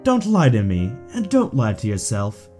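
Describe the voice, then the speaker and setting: A man's voice: mid-range voice, huge pitch swings, normal speed, dark tone, faint music behind. A man playing a smug, taunting aristocratic villain in an audio drama, drawling with mocking condescension. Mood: mocking, condescending.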